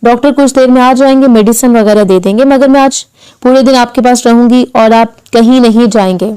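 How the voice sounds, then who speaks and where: A woman voicing a caring young wife who talks softly but insists firmly. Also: on the high side, brisk, clean tone, natural voice. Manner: soft, insistent.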